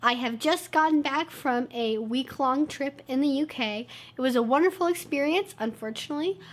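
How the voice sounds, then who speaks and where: A woman's voice: high voice, normal speed, a little hiss or hum. A woman hosting her own channel, talking casually to camera with a congested, stuffed-up nose and little energy. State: low on energy. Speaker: YouTube channel host.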